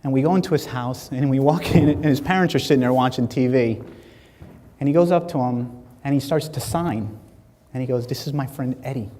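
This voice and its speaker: A man, giving a keynote speech and acting out stories with lively dialogue. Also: medium pitch, fairly quick, long reverb tail. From Latin America, Spanish-speaking. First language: Spanish. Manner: animated storyteller acting out dialogue. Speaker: motivational speaker. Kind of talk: keynote speech to a live audience. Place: large hall.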